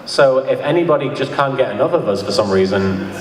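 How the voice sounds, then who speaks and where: A man's voice: mid-range voice, expressive, brisk, a little hiss or hum. A man talking casually and jokingly to an audience as a panelist at a convention. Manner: joking, informal. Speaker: panelist and web parody series creator. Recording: echoey hall from far off, crowd audible.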